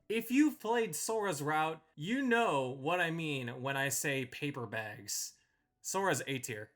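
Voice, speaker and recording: A man's voice: on the high side, fairly bright tone. A man hosting a video, giving scripted review commentary as he ranks characters in a tier list.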